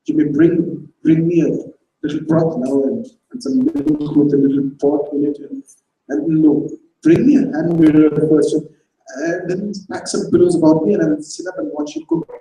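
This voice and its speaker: A man voicing a frail, gravely ill young woman who speaks weakly and haltingly, in a dramatized stage reading. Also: a little high, sing-song, mellow, echoey room, recorded from a distance, poor audio. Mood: weak, wistful. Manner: weak, halting, breathless.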